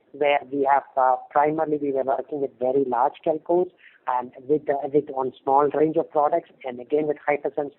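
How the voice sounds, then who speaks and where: A male company executive answering investors on an earnings call, explaining hesitantly and repeating words over a phone line. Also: a little high. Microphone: phone conference call. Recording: narrow, tinny conference phone line.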